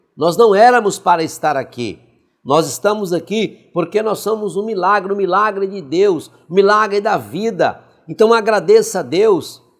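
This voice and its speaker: A man's high voice with ordinary pitch variation at a fairly slow pace. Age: 60s. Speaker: Bible teacher. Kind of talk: Sunday school lesson commentary.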